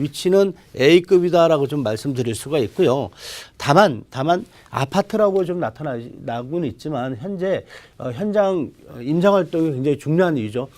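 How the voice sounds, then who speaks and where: A man speaking as a real estate expert on a TV advice show, explaining off the cuff in polite formal speech, halting and repeating his phrases. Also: fairly high pitch, darkish tone. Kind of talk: unscripted expert consultation.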